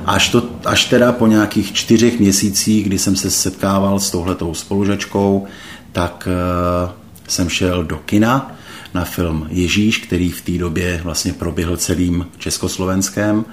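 A middle-aged man slowly and thoughtfully recounting a personal faith experience, hesitating often. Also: low voice, steady tone, slight background noise. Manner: slow, hesitant, thoughtful, many pauses and fillers. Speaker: interview guest. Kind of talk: reflective personal testimony.

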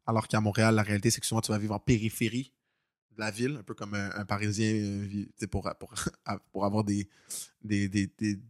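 A man's voice: on the low side, no echo, studio quality. A young man in his twenties with a Québécois accent, co-hosting a casual podcast and telling stories with lots of restarts. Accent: Québécois French. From Quebec. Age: 20s. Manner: animated storyteller, fast with many restarts. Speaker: podcast co-host.

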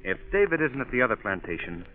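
An actor playing a composed, inquisitive gentleman investigator, polite and measured, in an old radio drama. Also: mid-range voice, sing-song, a little hiss or hum, close to an everyday voice. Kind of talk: 1940s radio acting. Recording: tinny old radio, crowd murmur behind.

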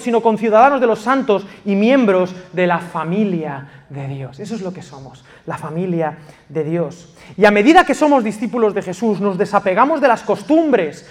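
In a church in Valencia, a Spanish pastor preaches a passionate sermon in a high-pitched voice. He swings between loud emphasis and quiet intimacy.

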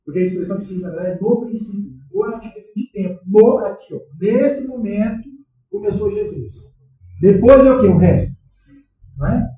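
A man's voice: sits high, lively intonation, fairly quick. A man with a Brazilian Portuguese accent preaching a sermon in a church, talking conversationally and firing questions at the congregation with slangy asides. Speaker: pastor. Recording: echoey church hall, distant dull mic.

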